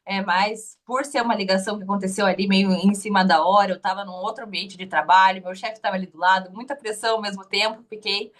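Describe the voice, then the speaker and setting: A woman's voice: medium pitch, steady tone, fast, hardly any pauses, a bit bright. A young woman with a Curitiba Brazilian Portuguese accent, telling her interview story casually, hesitant with many restarts.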